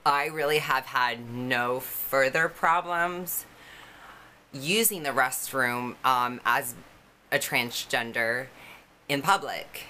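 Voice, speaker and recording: A young woman with a low voice telling a personal story to her camera in a candid, conversational way, with many fillers. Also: slow, bright, forceful tone, a little hiss or hum. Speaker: vlogger.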